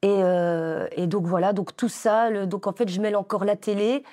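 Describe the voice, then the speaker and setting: A woman's voice: mid-range voice, moderate pace, mellow. A woman in her forties, a dance teacher, answering interview questions enthusiastically with many hesitations and fillers. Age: 40s.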